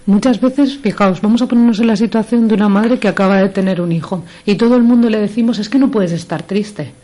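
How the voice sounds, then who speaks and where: Woman psychologist, rapid and mellow delivery, explanatory radio guest. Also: medium pitch. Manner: explanatory, gives examples with quoted phrases. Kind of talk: radio talk-show discussion. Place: radio studio.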